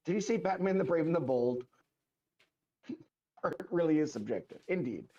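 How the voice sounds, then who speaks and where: A man's voice: on the high side, expressive, moderate pace, dark tone. A man co-hosting a casual livestream, bantering bluntly and reading out viewer comments. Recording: distant, slightly muffled microphone.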